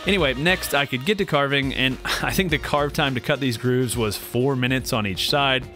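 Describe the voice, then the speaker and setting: A man's voice: medium pitch, normal speed, sharp tone, faint music behind. A man in his thirties, host of a woodworking channel, plainly explaining each step of a build in voice-over. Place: home woodworking shop.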